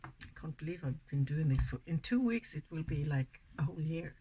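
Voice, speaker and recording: During a makeup tutorial, a Swedish woman in her sixties with a Swedish accent chats casually, softly and somewhat ramblingly. This beauty vlogger's low voice is expressive and slightly rough, moving a little fast.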